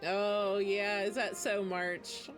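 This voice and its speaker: Woman streamer rambling over a game, unhurried n giggly, bit of music behind. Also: medium pitch, little pitch movement. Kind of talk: casual chat over gameplay.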